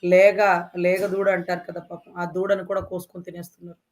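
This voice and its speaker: Fast-talking impassioned interview guest. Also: mid-range voice, monotone, darkish tone. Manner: emphatic, rhetorical questions.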